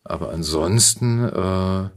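A man's voice: low-pitched, slow. A middle-aged man talking casually as a guest in an interview, recounting his experiences in a conversational way. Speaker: podcast guest, actor and voice actor.

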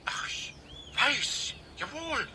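A man's voice: very high-pitched, big pitch swings, slow, crowd noise, exaggerated voice. An actor playing a flustered, dim male police chief over a radio link in a children's audio drama. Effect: radio transmission.

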